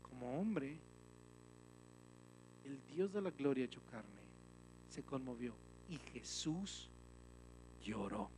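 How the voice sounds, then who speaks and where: A male pastor preaching a sermon emphatically, swinging from loud to hushed and often calling listeners "brother". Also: medium pitch, lively intonation, takes it slowly, pauses often, noisy background. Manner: often addresses listeners as "hermano".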